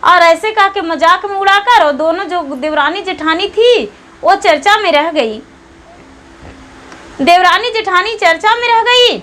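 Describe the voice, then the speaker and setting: A woman's voice: extremely high pitch, animated, measured pace, pushed and bright. A woman narrating a Shiva devotional story, earnest and repetitive, often saying phrases twice.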